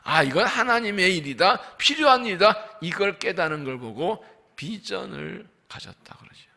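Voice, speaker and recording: A man preaching a dawn revival sermon as senior pastor, swinging between fervent outbursts and hushed asides and acting out the dialogue of biblical figures. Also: sits high, sing-song, moderate pace, gravelly.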